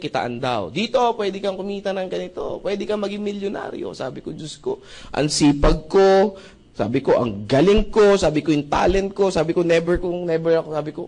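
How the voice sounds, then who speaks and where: High-voiced man telling an animated story. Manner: acts out quoted dialogue and often asks the audience for agreement; animated, with jumps in pitch and loudness. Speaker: seminar speaker sharing his testimony. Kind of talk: motivational storytelling talk.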